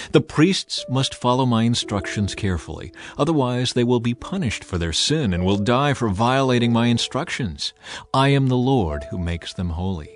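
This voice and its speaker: A man narrating scripture as a dramatized audio reading, solemn, measured and authoritative in his delivery. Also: mid-range voice. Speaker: Bible narrator.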